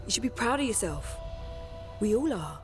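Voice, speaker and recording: A woman's voice: mid-range voice, very animated, moderate pace, natural voice. A woman playing a friendly, teasing warrior comrade in a video game. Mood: supportive. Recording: music behind the voice.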